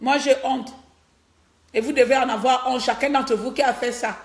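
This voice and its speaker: A woman's voice: high-pitched, fairly even intonation, moderate pace. A woman from Gabon with a Cameroonian French accent, speaking as an online commentator in an indignant livestreamed rant, often repeating a word while she hunts for the next. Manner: indignant, repeats words while searching for them. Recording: roomy echo.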